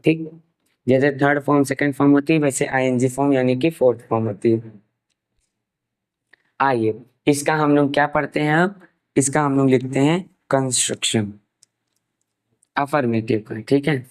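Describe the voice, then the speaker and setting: A man's voice: medium pitch, fairly even intonation, normal speed, long pauses, low-quality recording. A young man from India with an Indian accent, teaching English grammar in an online class, explaining step by step and dictating examples word by word. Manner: mixes English terms into Hindi explanation.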